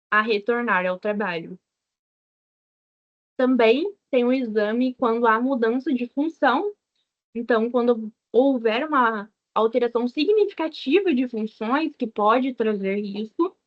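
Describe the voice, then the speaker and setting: A young woman with a Brazilian Portuguese accent, a teaching assistant giving a law review lesson, explaining step by step with fillers and pauses. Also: on the high side. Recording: dull lo-fi lecture recording.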